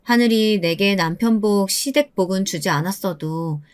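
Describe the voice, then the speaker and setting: A woman in her seventies calmly recounting her own hard life in scripted first-person narration. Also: medium pitch, moderate pace, smooth. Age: 70s. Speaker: storyteller.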